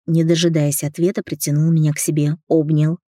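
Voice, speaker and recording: Woman reading a romance story out loud, low warm voice, dry close sound. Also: level tone, fairly quick, dry recording. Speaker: audiobook reader. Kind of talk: first-person romance narration.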